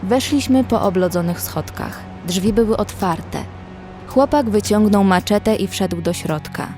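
A young woman survivor played by an actress tells a horror audio story in the first person. Her pitch is average for a woman and her delivery is measured and observant, with an anxious undertone. Music plays underneath. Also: dark tone, lightly acted. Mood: measured, uneasy. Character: young female survivor narrating a zombie apocalypse, anxious, observant. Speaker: narrator and actress in audio drama.

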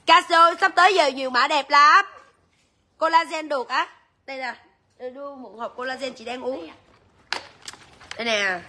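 Bright high-voiced woman. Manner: chatty, addresses viewers directly. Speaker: livestream jewelry seller. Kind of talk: live-selling chat.

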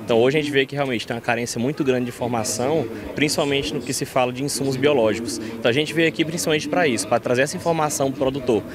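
A man's voice: mid-range voice, rapid-fire, few pauses. A man in his thirties with a Brazilian accent giving an informal TV interview about his work. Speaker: agribusiness partner interviewee. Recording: busy outdoor crowd behind.

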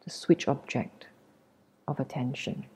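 A woman leading a guided meditation as a teacher, speaking gently with long pauses in a soft, breathy voice that nears a whisper. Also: rumbling low. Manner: gentle, unhurried, long pauses between short phrases.

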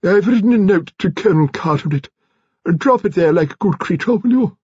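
A man's voice: sits high, expressive, fairly quick, a little mellow, slightly rough, no echo, highs cut off, voice pushed up. A man voicing a bossy, grand old aristocratic lady with a peremptory, prying way of talking, for a story. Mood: imperious, prying.

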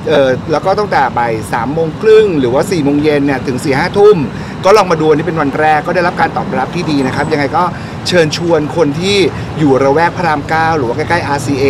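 A man hosting an outdoor market opening in a playful, teasing, chatty way, with a handheld mic. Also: a little high. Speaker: event host. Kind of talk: lively event hosting. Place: outdoor night market, street. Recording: loud crowd and street noise.

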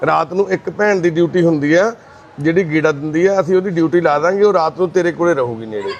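A man chatting gently and reassuringly with residents of a shelter, greeting the women as mothers and sisters. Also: a little high, fast, highs cut off, slight background noise. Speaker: charity volunteer visiting residents. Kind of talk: casual chat with care-home residents. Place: indoor shelter for destitute people.

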